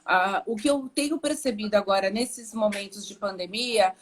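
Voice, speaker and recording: A woman's voice: medium pitch, normal speed. A woman speech therapist with a Brazilian Portuguese accent, explaining patiently on a video call and modeling words in a singsong voice. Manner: patient, demonstrates words in a singsong child-directed voice. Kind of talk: explanatory talk in a live stream.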